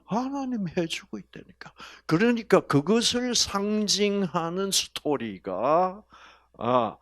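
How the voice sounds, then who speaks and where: An older man with a Gyeongsang Korean accent giving a health lecture, folksy and animated, full of rhetorical questions. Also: high voice, slow pace, no echo, clean studio sound. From Gyeongsang region, Korea.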